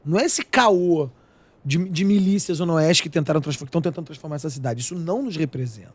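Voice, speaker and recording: A middle-aged man with a Carioca Portuguese accent speaks with a slightly husky, somewhat raised voice. He talks with passion and emphasis, gesturing as he goes. He is a guest chef in a radio studio. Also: fairly high pitch, quick pace, no echo. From Rio de Janeiro, Brazil. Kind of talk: casual studio talk.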